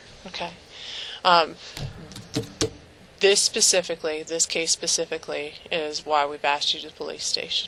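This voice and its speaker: Monotone and flat, a woman speaks at a moderate pace in a fairly low pitch, with long, frequent pauses. Noticeable background noise is present. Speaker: police detective. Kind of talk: police interview. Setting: police interview room.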